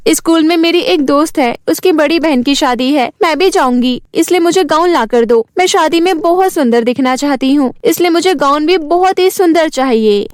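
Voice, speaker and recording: A woman voicing a stubborn, sulky poor schoolgirl in a children's cartoon, whiny, demanding and quick to talk back. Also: high-pitched, no room sound, clean studio sound, pitched above the performer's own voice, natural voice. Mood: pleading, demanding. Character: stubborn, sulky poor schoolgirl who craves pretty clothes.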